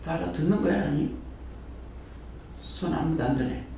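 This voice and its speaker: A gravelly, dark-toned man with a slightly high voice preaches at a moderate pace, acting as prayer house director and pressing the congregation with repeated rhetorical questions. It's recorded in a church hall full of echo, from far off, with faint noise.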